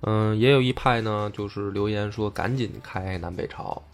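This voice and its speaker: A man hosting a casual history podcast, explaining deliberately and often rephrasing himself. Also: fairly low pitch, creaky, faint music behind. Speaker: podcast host.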